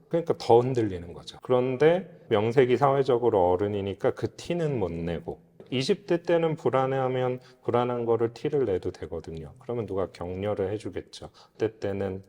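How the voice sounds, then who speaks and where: A man's voice: lowish voice, lively intonation, normal speed, few pauses, mellow. A man speaking as a guest expert, explaining philosophy in an earnest, reflective, lecture-like way. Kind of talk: explanatory interview talk on philosophy. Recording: reverberant hall-like room.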